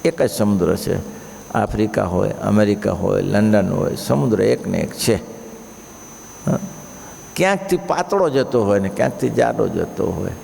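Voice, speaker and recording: Gravelly preacher in a hall. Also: male voice, fairly low pitch, normal speed, slight background noise. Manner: animated, acts out story characters with shouts. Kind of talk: sermon with storytelling. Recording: reverberant hall.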